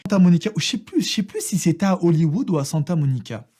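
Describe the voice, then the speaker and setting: A young French vlogger with a fairly high-pitched voice talks fast as he tells a crude, slangy comic story about a trip. He's animated and vulgar, full of swearing, and often breaks into laughing asides.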